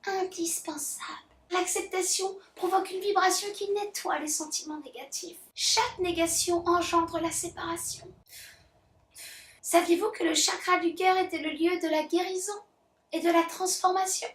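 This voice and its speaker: A woman's voice: extremely high pitch, steady tone, normal speed, far from the mic, voice pushed up. Woman doing a sugary heart chakra spirit. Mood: preachy. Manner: sugary, soft-spoken, preachy and loving. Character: gushing, syrupy heart chakra spirit, female. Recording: roomy echo.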